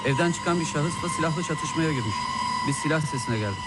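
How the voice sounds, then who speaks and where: An actor playing a brisk, clipped, deferential policeman in a television drama. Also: on the high side, animated, very noisy, lightly acted. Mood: dutiful reporting. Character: brisk, dutiful policeman reporting to his chief.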